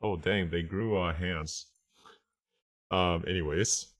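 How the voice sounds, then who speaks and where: A man's voice: low-pitched, fairly even intonation, slow, fairly bright tone. A man giving a casual online language lesson as the teacher, thinking aloud and often checking that listeners follow.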